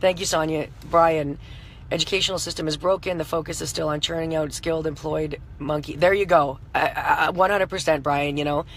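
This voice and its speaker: A woman in her thirties with a hoarse, scratchy voice, giving a chatty motivational talk on a live stream and greeting viewers by name. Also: sits low, steady tone, a little fast. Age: 30s. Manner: chatty, full of "you know" fillers, greets viewers by name. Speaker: entrepreneur hosting a live stream.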